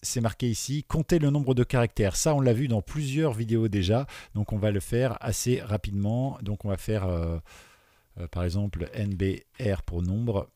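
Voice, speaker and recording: A man with a low, mellow voice walks beginners through a coding exercise, pausing with fillers and asking if they follow. His voice goes quieter as he types. The sound is dry and close, with keyboard clicks behind. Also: dry recording. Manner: explains step by step, often checks in with "d'accord?"; many fillers, trails off quieter while typing. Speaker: programming teacher. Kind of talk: screen-recorded coding tutorial. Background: keyboard typing.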